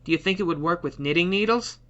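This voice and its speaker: An anxious, earnest young crafter played by a woman in an audio comedy, hesitant and timid. The voice is low for a woman yet bright and tense, on a slightly dull microphone. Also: quick pace, close to an everyday voice. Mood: unsure, earnest. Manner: hesitant, nervous. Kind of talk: audio fiction comedy acting. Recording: dull, band-limited microphone sound.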